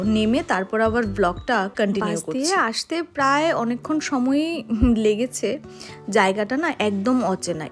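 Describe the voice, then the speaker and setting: A young woman from Agartala narrates her day to the camera in an easy, chatty way, stopping to tell small family stories. Her voice sits a little high, with faint background music behind it. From Agartala, Tripura, India. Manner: chatty, warm storytelling to viewers. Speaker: vlogger. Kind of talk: casual vlog narration.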